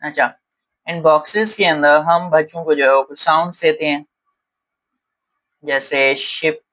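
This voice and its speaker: A man's voice: a little high, fairly even intonation, measured pace, sharp tone. Man lecturing in with frequent fillers. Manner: Hindi mixed with English terms, frequent "uh" fillers and "okay" check-ins. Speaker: teacher. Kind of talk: lecture explaining teaching strategies.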